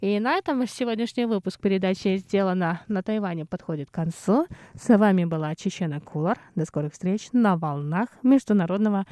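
A woman hosting a radio program, reading a scripted feature in a measured, even newsreader manner. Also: mid-range voice. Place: radio studio. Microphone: studio microphone.

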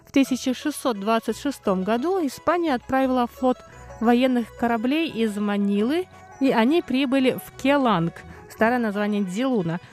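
A woman hosting a radio program, reading a scripted feature in a measured, even newsreader manner. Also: on the high side, soft background music. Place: radio studio. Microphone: studio microphone.

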